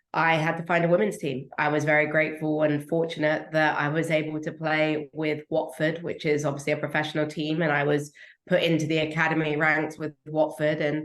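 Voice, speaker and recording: A woman with an English accent talks at a fairly quick pace in a very deep, low pitch, her intonation monotone and flat. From England. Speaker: soccer radio analyst. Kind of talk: interview.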